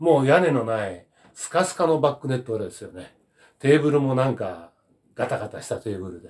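Vocal fry marks this man's voice, which has very wide pitch swings. His loudness rises and falls sharply against a quiet background. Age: 60s. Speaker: former pro baseball player and coach; coach. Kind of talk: casual monologue. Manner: halting with many fillers. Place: home room. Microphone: camera far.

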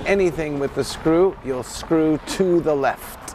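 Man speaking at a fairly slow pace with ordinary pitch variation, dry sound with no echo, noticeable background noise. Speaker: English teacher. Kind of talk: tutorial. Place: station. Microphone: lapel.

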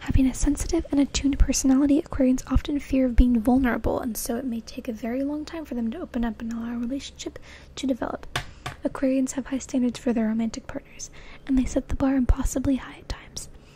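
Soft-spoken and high-pitched, a woman talks at a very fast pace with fairly even intonation over light background noise. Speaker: ASMR-style reader. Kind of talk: reading zodiac descriptions aloud. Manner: soft-spoken, close-mic ASMR reading. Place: home room. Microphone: studio mic.

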